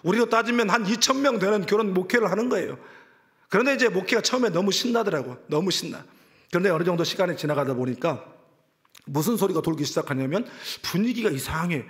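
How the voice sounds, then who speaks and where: Korean pastor guy preaching in church, high-pitched voice, gets loud then goes whispery. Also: animated, quick pace. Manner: impassioned storytelling, swelling loud then dropping to hushed whispers. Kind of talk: sermon. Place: church sanctuary.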